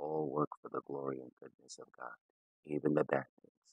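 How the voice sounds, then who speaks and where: A man speaks at a moderate pace in a very deep, low register with vocal fry and a monotone, flat delivery. The sound is dry with no echo against a quiet background. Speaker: prayer video creator. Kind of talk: fervent prayer; spoken prayer led for online viewers. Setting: video to camera. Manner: fervent, pleading, repetitive 'Lord' refrains; earnest, rhythmic, preacher-like cadence. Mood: earnest, prayerful, calm. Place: home room. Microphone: phone near.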